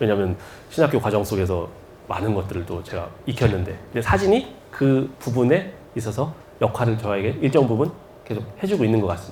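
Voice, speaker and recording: A man's medium-pitched voice at a fairly quick pace, with lively intonation, audible room echo and noticeable background noise. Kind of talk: lecture to a church audience.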